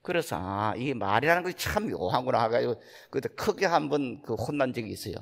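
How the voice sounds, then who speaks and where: An older Buddhist monk from Gyeongsang with a Gyeongsang accent, giving a dharma talk in folksy, unhurried storytelling. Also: male voice, mid-range voice, lively intonation, creaky. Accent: Gyeongsang Korean. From Gyeongsang province, Korea. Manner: folksy, unhurried storytelling, acting out quoted speech. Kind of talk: sermon storytelling.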